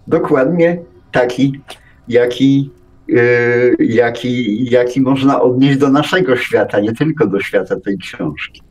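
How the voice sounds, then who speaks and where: A man's voice: medium pitch, takes it slowly, darkish tone, low-quality recording. A man in a philosophical conversation, speaking earnestly and searching for his words as he goes. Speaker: guest presenting texts.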